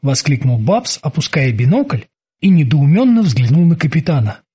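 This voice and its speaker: Expressive male audiobook narrator. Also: on the high side, moderate pace, breathy edge. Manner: lively, expressive reading. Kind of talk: audiobook reading.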